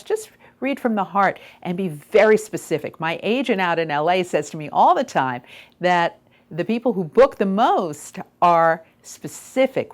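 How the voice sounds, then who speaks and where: Female coach, lowish register with lively swings in pitch, stressing key words in direct how-to talk. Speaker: voiceover coach and host. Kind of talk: instructional video talk to camera.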